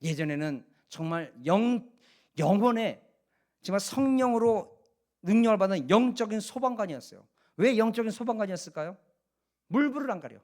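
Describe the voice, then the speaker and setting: Male pastor with a high voice, emphatic sermon delivery, rhetorical questions to the congregation. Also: animated, moderate pace, darkish tone. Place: church sanctuary.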